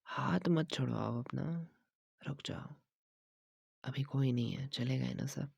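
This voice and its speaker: Whispered role-play: man as a teasing young gym trainer, husky and slow, soft coaxing delivery. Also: no room sound, clean studio sound, heavily acted. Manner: soft, coaxing, teasing with frequent low laughs; mixes Hindi and English phrases. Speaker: ASMR creator.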